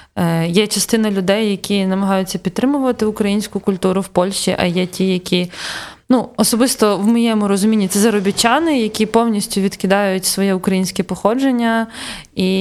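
With an unremarkable speaking voice, this woman keeps a medium pitch and fairly even intonation while talking at a fairly quick pace. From Ukraine, Kyiv region. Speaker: podcast host. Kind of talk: casual interview. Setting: cafe.

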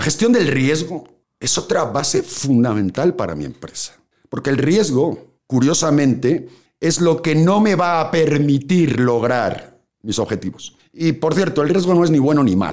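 This man has a plain, everyday voice, fairly high in pitch, moving at a fairly slow pace with lively intonation. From Spain, Madrid. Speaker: business consultant. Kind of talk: interview.

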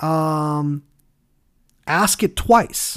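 On a very clean recording with a silent background, a man's pitch varies in an ordinary way. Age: 40s. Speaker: coffee shop owner and podcast host. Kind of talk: solo podcast monologue. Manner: casual, many filler words.

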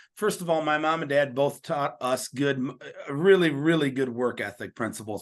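Over a quiet background, a man with an unremarkable speaking voice talks at a moderate pace, medium in pitch with ordinary pitch variation. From US Midwest (Iowa). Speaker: author and sales professional. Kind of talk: interview.

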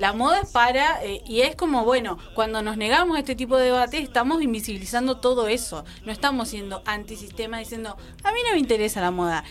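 Very fast speech from a woman, fairly high-pitched with lively intonation, over noticeable background noise. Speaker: radio co-host. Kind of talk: casual chat.

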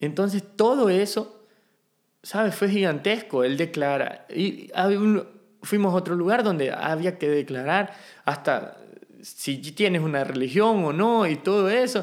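Here a man speaks at a high pitch. His intonation is lively and his pace fairly slow. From Ecuador, Guayas province. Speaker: immigrant interviewee. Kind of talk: casual interview, life story.

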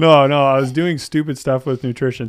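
An unremarkable speaking voice, this man talks at a fairly quick pace with fairly even intonation. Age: 30s. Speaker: volleyball podcast co-host. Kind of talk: casual chat.

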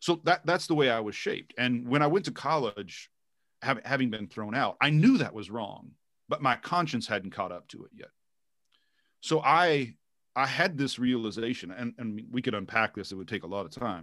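Using a normal speaking voice in an American accent, a man talks at a moderate pace and medium pitch, with lively intonation and big swings in loudness. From US, small town. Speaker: theology professor and teaching pastor. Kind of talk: casual chat. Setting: video call.

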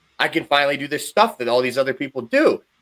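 A man talks in an animated tone. His pitch swings very widely. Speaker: podcast host and strongman-turned-music YouTuber. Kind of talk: casual chat. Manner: animated, profane.

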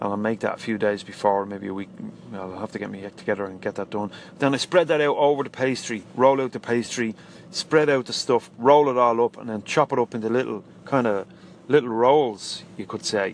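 In an Irish accent, a man with a medium pitch talks at a fairly quick pace, his loudness swinging widely. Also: ordinary pitch variation. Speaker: podcaster. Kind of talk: solo casual monologue.

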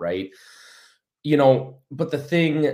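A man speaks at a fairly slow pace with ordinary pitch variation and a plain, everyday voice. The recording is very clean, with a silent background. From Michigan, Battle Creek. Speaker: hockey advisor, former pro hockey player. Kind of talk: casual interview chat.

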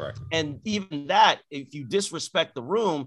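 Speaking at a moderate pace, a man with a normal speaking voice sounds fairly high and uses lively intonation. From US Midwest (Columbus, Ohio), Nigerian-American family. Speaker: stand-up comedian. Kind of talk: casual chat.

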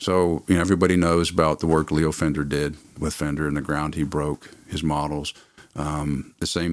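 A man speaks in a very deep, low voice. His delivery is monotone and flat at a moderate pace. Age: 50s. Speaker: luthier and guitar business owner. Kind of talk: casual chat.

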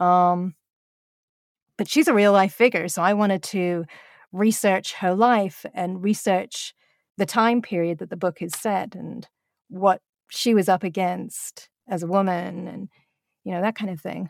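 A woman with an American accent speaks at medium pitch and a fairly slow pace, with fairly even intonation, big swings in loudness and long, frequent pauses, in a very clean recording with a silent background and a dry, close sound with no echo. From England. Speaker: audiobook narrator and voice actor. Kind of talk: casual interview.

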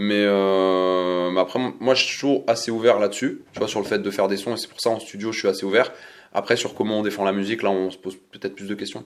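Very fast delivery pairs with fairly even intonation here. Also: man, fairly low pitch for a man. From southern France, Marseille. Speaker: rapper. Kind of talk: casual interview.

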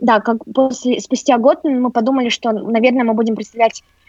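High-pitched woman, moderate pace, fairly even intonation, in a dry, close sound with no echo. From Kazakhstan, Almaty. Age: 20s. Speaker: artist and photographer. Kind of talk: interview.

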